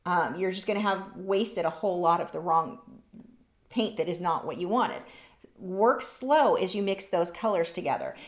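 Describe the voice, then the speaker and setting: A woman's voice: fairly low pitch, animated, moderate pace, reverberant. A woman running a live painting lesson, chatting casually and reading out viewers' comments as she works. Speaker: art instructor. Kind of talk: live painting tutorial with chat.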